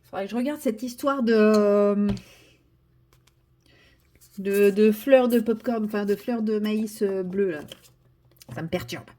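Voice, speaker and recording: Slow and mid-range with a dark tone and long pauses, a vlogger from France chats while she colors at an indoor desk. A tripod-mounted camera records her laid-back, self-mocking talk, which occasionally drops to a whisper.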